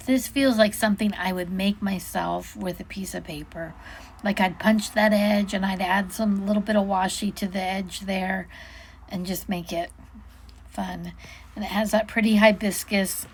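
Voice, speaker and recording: A woman's voice: medium pitch, steady tone, measured pace, slight background noise. A woman giving a casual, unscripted product walk-through, chatting and musing aloud as she goes, often interrupting herself.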